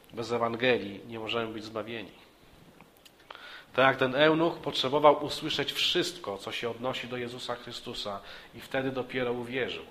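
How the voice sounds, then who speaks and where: A male preacher delivers a sermon in a bright, forceful voice. He speaks earnestly, restarting words and repeating phrases as he goes. His voice rises for emphasis, then sinks low and soft.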